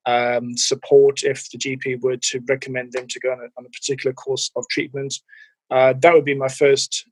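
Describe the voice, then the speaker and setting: A man's voice: medium pitch, slightly rough, dry recording, rough recording. A man in his forties with a mild, anglicized South African accent, a fitness and mental health coach answering interview questions with lots of ums and restarts. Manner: hesitant, many fillers and restarts.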